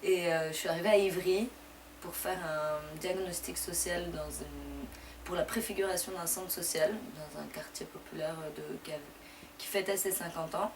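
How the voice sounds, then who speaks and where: A young woman raised in France, Persian being her first language, tells her life story as a deputy mayor being interviewed, her voice fairly low and steady. She speaks at a loose, conversational pace with frequent pauses, while a distant mic picks up clear background noise, including a crowd.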